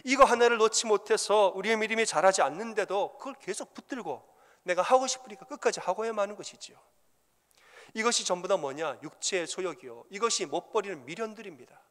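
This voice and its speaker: Man preaching, emphatic, repetitive phrasing, fairly high voice, long church reverb. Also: fairly quick, fairly bright tone. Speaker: pastor. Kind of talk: sermon. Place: church sanctuary.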